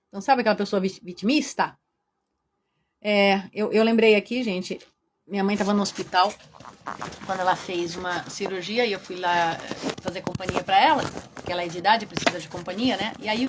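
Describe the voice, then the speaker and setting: A woman with a Brazilian Portuguese accent teaching a Christian workshop lecture in a lively, chatty way, addressing her audience directly. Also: mid-range voice, a little fast, a little hiss or hum.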